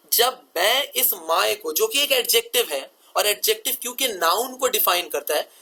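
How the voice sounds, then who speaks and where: A man's voice: high voice, pushed and bright, poor audio. A man teaching English grammar in a methodical way, repeating each rule and asking listeners to pay attention as he works through slides. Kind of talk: explaining grammar over slides.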